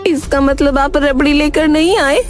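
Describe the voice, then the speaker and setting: A fed-up cartoon wife, voiced by a woman with a high voice, sharp-tongued and forever scolding her foolish husband. Music sits faintly under her. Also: fairly even intonation, normal speed, lightly acted. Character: nagging, fed-up village wife. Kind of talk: cartoon dubbing. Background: background music.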